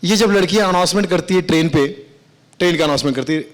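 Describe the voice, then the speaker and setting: A man performing a stand-up comedy routine, animated and switching between mimicked voices. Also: sits high, fast. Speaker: comedian guest.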